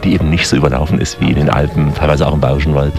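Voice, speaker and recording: A man with a very low, deep voice hosts a radio travel feature. He narrates and asks calm, measured questions on a winter forest walk. Faint music sits under parts of it.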